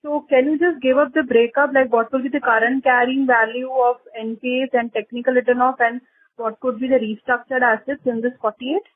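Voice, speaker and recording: A woman with an Indian accent asks analyst questions over a narrow telephone line. Her voice sits fairly high. She feels her way through each question haltingly, repeating phrases as she probes. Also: steady tone, no echo. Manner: halting, repetitive, probing. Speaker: analyst asking questions on an earnings call. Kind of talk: question-and-answer on a conference call. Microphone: telephone conference call. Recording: tinny narrow phone line.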